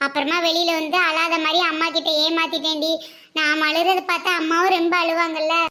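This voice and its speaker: A very high, girlish voice of a soft-hearted teenage cartoon girl, put on by a woman. She talks earnestly and laughs softly between lines. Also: level tone, fairly quick. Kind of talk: cartoon voice acting.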